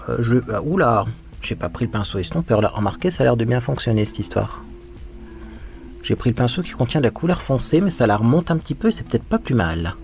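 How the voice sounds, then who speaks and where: A male makeup vlogger with a mid-range, slightly mellow voice narrates as he applies his makeup. It's frank, chatty get-ready-with-me commentary, and he often thinks aloud.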